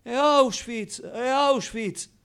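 A man voicing an old, weary Jewish foster mother, exasperated and gruffly affectionate, with exclamatory lamenting in a radio monologue. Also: very high voice, drawn-out words, fairly bright tone, pitched above the performer's own voice, heavily acted. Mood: anguished wail.

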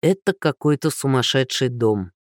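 Tired gentleman, low and patient, voiced by the narrator; dry recording. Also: animated, moderate pace, no echo, natural voice. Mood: weary. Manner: tired, restrained, lower. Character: weary, polite middle-aged man.

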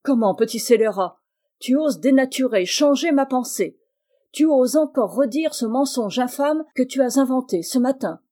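A woman's voice: animated, a little slow, dark tone. A woman voicing a spiteful old miser lady. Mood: furious. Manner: scolding, shrill when angry.

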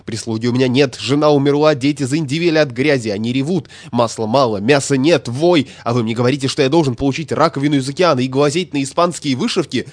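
A man voicing a hysterical, puffed-up little male statistician who shouts and rants indignantly. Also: no room sound, close to an everyday voice. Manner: shrill, shouting, indignant ranting.

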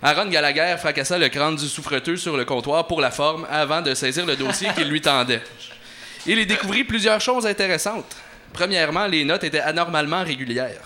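A man narrating an interactive adventure story, slightly high and very bright, cutting voice. He halts with fillers when talking plainly and reads the story with flair. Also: fairly quick. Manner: hesitant, lots of filler, then theatrical reading. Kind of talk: reading an interactive story aloud.

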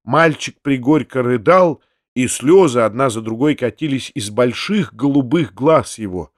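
A man reading a classic novel aloud as the narrator, in a measured storytelling delivery. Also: mid-range voice, lively intonation, no room sound, studio quality. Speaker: audiobook narrator. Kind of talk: literary narration.

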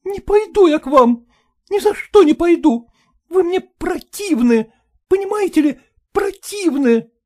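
A man's voice: extremely high pitch, fairly quick, hardly any pauses, mellow, voice pushed up. A man voicing a defiant young wife who answers her husband sharply and with scorn.

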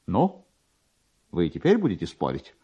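A man's voice: low-pitched, huge pitch swings, normal speed, dark tone, breathy edge, voice pushed down, heavily acted. A man voicing an agitated, self-important male government official, flustered and insistent, in a dramatised literary reading. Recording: dull, lo-fi archive radio recording.

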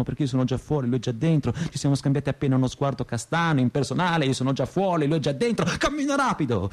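An actor playing a restless, bitter and sensual gay young dropout in an intimate, confessional theatrical radio monologue. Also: male voice, medium pitch, gravelly, dark tone. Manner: intimate, confessional, crude-mouthed. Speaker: stage actor.

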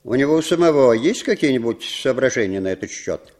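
A man's voice: medium pitch, animated, fairly quick, darkish tone, natural voice. A man playing a cynical, commanding American spymaster in a 1960s radio play, speaking with dry irony. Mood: ironic. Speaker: intelligence chief.

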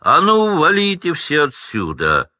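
A man voicing a huge, gruff gamekeeper who grumbles in rustic, folksy speech. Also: on the high side, huge pitch swings, takes it slowly, sharp tone, dry recording, muffled recording, pitched above the performer's own voice, heavily acted. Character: huge gruff booming half-giant gamekeeper.

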